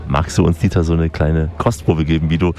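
A man's voice: rumbling low, little pitch movement, fairly quick, warm tone. A man speaking as a reporter, introducing and questioning a guest in a conversational way. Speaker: interviewer.

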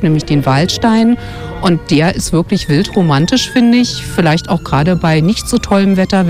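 A woman's voice: on the low side, a little mellow. A woman from West Berlin, a radio journalist and travel guide author, explaining fluently and thoughtfully in a radio interview on a forest walk. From West Berlin, Germany. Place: outdoors on a winter forest walk.

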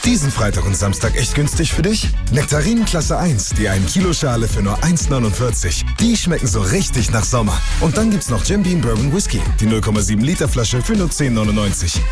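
A man voicing a supermarket radio advert with an upbeat sales pitch. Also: big pitch swings, brisk, music in the background. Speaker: ad voice-over.

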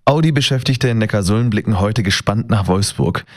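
A man delivering a radio news report in a steady, matter-of-fact way. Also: fairly low pitch, fairly quick.

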